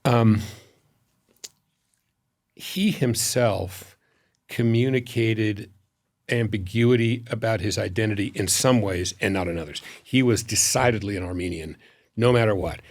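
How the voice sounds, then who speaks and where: Low-voiced man telling anecdotes in an interview. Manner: measured, anecdotal storytelling with pauses. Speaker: foundation president, interview guest. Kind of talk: reflective interview conversation.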